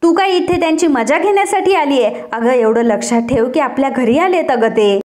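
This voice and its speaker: A woman's voice: high-pitched, animated, brisk, a little mellow. A woman voicing a stern traditional mother who scolds her daughter, in a serial recap. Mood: scolding.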